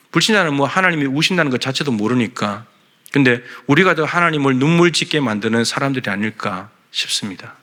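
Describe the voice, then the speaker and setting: Earnest male pastor with a bright voice. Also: mid-range voice. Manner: earnest, acts out God's questions to the congregation. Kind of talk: sermon. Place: church sanctuary.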